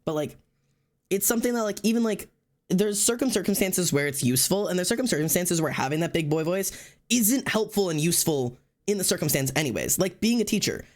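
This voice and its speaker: A man's voice: high voice, lively intonation, a little fast. A young man chatting casually on his stream, rambling with many restarts and the odd swear. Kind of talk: casual chat.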